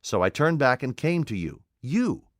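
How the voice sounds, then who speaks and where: A man's voice: mid-range voice, sing-song, moderate pace, no room sound, studio quality, voice pushed up, close to an everyday voice. A man voicing an invisible man in an audiobook, speaking in a curt, imperious, cold way. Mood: intense. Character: commanding, desperate invisible man, adult male. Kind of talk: audiobook character voice.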